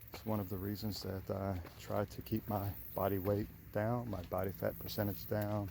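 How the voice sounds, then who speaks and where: Here a man with a plain, everyday voice and a fairly low pitch speaks at a moderate pace with fairly even intonation. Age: 50s. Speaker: registered nurse and health coach. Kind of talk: casual vlog monologue. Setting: outdoors walking in gardens.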